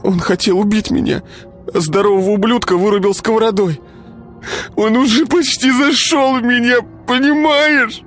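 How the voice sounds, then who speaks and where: A shrill, sobbing young woman on the edge of hysteria, her voice jumping high and breaking into stammers, as a male storyteller puts her on. Faint music plays under the reading. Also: fairly even intonation, normal speed, a bit bright. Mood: hysterical. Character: frightened, furious young woman, Ira.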